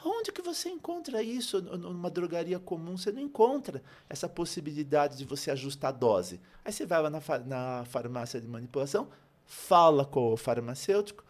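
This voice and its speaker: A Brazilian man with a slightly high-pitched voice talks as a guest expert on a podcast. He explains things in a didactic, conversational way, repeating phrases for emphasis and asking questions that he then answers. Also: big pitch swings, brisk. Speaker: guest pharmacist on a health podcast. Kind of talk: animated explanatory podcast talk.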